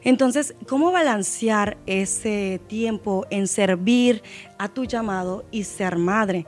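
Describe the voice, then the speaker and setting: A woman's voice: medium pitch, takes it slowly, soft background music. A woman singer giving a heartfelt personal testimony in a Christian podcast interview, with English words mixed into her Spanish. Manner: heartfelt, emotional storytelling, mixes English words.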